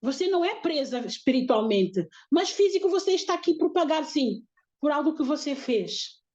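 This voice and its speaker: A woman's voice: sits high, very animated, moderate pace, darkish tone, lo-fi sound, voice pushed up. A woman voicing a stern, authoritative female prison guard in a retold story.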